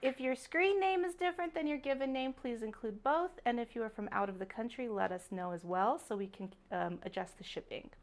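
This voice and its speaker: A woman hosting a live-streamed jewelry sale, chatty and upbeat, greeting viewers by name, her voice a little raspy from a sore throat. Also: fairly high pitch, fairly quick, hardly any pauses. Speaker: jewelry show host. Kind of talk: live-stream sales chat.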